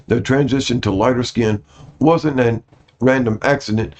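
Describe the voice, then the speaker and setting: In dull lo-fi audio, a man with a medium-pitched, a little mellow voice reads his notes aloud to viewers in a relaxed manner. He stumbles on words, corrects himself, and keeps apologizing for his pronunciation.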